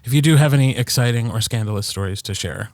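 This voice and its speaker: A man's voice: mid-range voice, fast, a little mellow, no room sound, clean studio sound. A man co-hosting a podcast in casual chat, with wry, self-deprecating humor. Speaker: podcast co-host. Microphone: close podcast microphone, dry sound.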